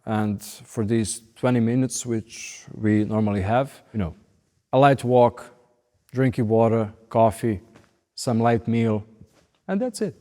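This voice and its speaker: A man's voice: mid-range voice, slow pace, warm tone. Serbian-accented man in a reverberant hall. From Belgrade, Serbia. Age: late 30s. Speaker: professional orchestral violinist being interviewed. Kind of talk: interview monologue. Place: large recording hall.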